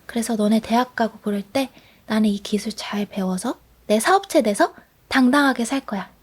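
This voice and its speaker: A woman's voice: a little high, slightly rough. A young woman voicing a bold, chatty teenage schoolgirl at the bottom of her class, teasing and asking question after question in a whispered role-play. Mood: playful. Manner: teasing, talkative, rapid questions.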